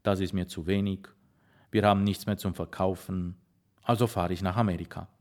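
A man's voice: deep voice, fairly even intonation, fairly quick, natural voice. A man voicing a stubborn, determined young farm woman in an audiobook reading, firm and curt.

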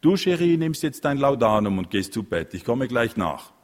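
A man's voice: medium pitch, very animated, moderate pace, darkish tone, in a large hall, close to an everyday voice. A man reading an audiobook puts on a firm, decisive mother giving orders. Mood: commanding.

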